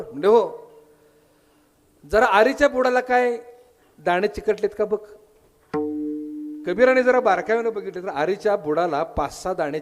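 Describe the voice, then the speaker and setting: A man with a Marathi accent preaching a devotional kirtan sermon, telling a story, voicing its characters and breaking into sung verses. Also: sits high. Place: temple hall with audience.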